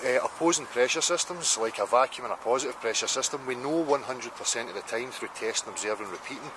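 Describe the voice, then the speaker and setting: Scottish man, middle-aged, rapid insistent street interviewer, handheld mic, noisy outdoors. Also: mid-range voice. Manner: insistent, persistent questioning. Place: outdoors on a riverside footbridge. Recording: loud outdoor traffic noise.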